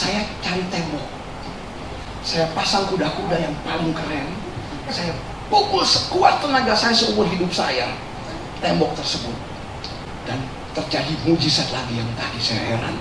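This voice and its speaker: A man pastor preaching a lively sermon, laughing often and slipping English phrases in. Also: high voice. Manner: animated, laughing, mixing in English. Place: large church hall. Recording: echoey hall, distant mic, audience noise.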